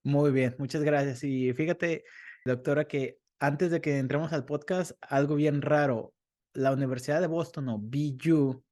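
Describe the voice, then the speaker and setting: A man's voice: mid-range voice, darkish tone. A man hosting a dental podcast, friendly and curious, speaking casually with slang. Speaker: podcast host.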